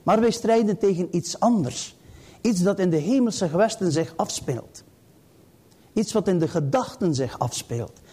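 A man's voice: sits high, lively intonation, unhurried, mellow, breathy edge. A middle-aged man preaching a sermon emphatically, repeating key phrases in rising bursts.

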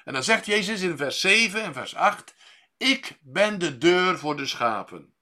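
A man preaching a sermon, measured and pausing often with fillers and restarts, lifting his voice on key words. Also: high voice, expressive, bright, forceful tone.

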